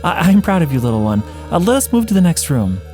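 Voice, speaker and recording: Man putting on a gentle, high-pitched motherly monster lady. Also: sing-song, fast talker, faint music behind. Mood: encouraging. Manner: formal, careful, reassuring phrasing. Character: gentle motherly female monster caretaker, doting and formal. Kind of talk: game dialogue read-along.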